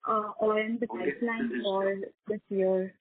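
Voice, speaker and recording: A woman's voice: medium pitch, little pitch movement, unhurried. A woman calling in to ask unscripted questions on an investor conference call. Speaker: caller asking questions. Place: telephone call. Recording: muffled narrow phone line.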